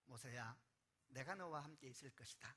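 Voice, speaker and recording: A male pastor voicing God as he speaks tenderly to a broken man, in slow, gentle, pleading tones. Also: mid-range voice, husky.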